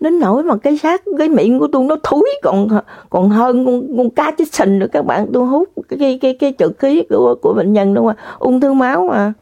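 A woman tells a story straight to her viewers, full of dramatic exclamations. Her voice is mellow and warm. The recording is dry and a little dull and lo-fi. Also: high-pitched, expressive, fairly quick, gravelly, hardly any pauses, no room sound.

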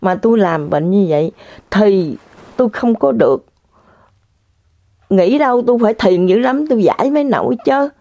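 A woman's voice: mid-range voice, animated, moderate pace, creaky, long pauses, dark tone, no room sound. A woman telling a story to her viewers in a casual, dramatic, exclamatory way. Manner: dramatic, exclamatory, speaks straight to the audience. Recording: dull lo-fi dry recording.

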